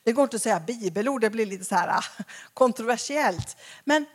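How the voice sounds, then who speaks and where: Female Christian speaker, lively and expressive, pitched a bit high, plays out conversations in her talk. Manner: acts out dialogues with shifting voices.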